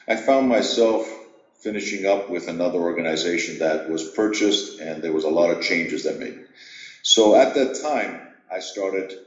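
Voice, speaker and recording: A middle-aged man from Greece, an executive coach, telling his story at a measured, reflective pace in an interview. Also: low voice, echoey room, lo-fi sound.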